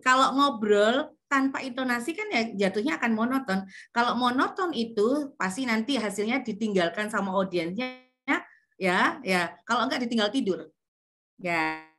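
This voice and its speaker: A woman's voice: fairly high pitch, pushed and bright. Woman teaching public speaking online. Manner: demonstrative, shifts intonation to show examples. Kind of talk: online class lecture. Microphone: video call.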